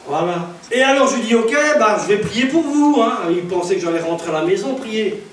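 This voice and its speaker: A man preaching as an evangelist, telling stories in a lively way, with loud bursts and acted-out dialogue. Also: high voice, a little fast. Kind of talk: storytelling sermon. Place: church. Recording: echoey church hall from far off, faint hiss.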